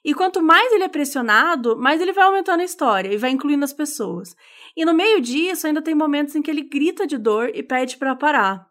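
A woman's voice: sits high, animated, a little fast, fairly bright tone. A woman co-hosting a podcast, retelling a true-crime case in a casual, conversational way with frequent fillers. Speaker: podcast co-host.

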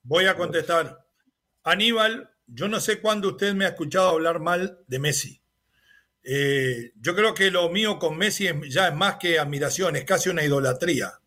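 A man's voice: a little high, moderate pace, bright, forceful tone. A man with a Uruguayan accent hosting casual sports talk on the radio, conversational and familiar with his colleagues.

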